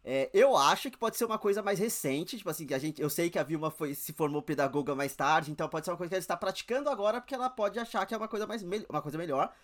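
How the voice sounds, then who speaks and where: Young São woman, podcast co-host, rapid, chatty, filler-heavy. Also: lowish voice. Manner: chatty, leans on fillers like "tipo assim". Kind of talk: casual chat.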